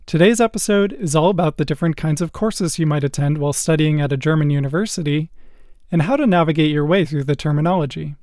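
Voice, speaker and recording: A man reads the scripted opening of a university podcast in an upbeat, announcer-like way. His voice is fairly high for a man and sounds dry, with no room echo. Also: quick pace, a little mellow. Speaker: podcast host.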